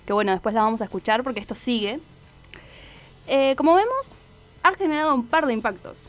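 Chatty woman hosting radio. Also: fairly high pitch. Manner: chatty, many fillers and self-corrections. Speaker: radio show host. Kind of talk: casual radio chat about a TV series.

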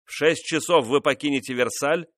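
A man's voice: fairly high pitch, normal speed, fairly bright tone, dry recording, clean studio sound, pitched above the performer's own voice, close to an everyday voice. A man voicing a proud, middle-aged king who gives commands with cold indignation. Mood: indignant.

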